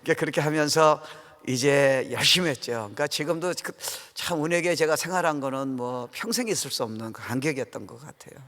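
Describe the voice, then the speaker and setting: A middle-aged guest pastor with a slightly high, bright voice preaches a conversational revival sermon a little fast. Informal and earnest, he often asks the congregation questions in a large church sanctuary, and the sound carries the reverberation of the hall.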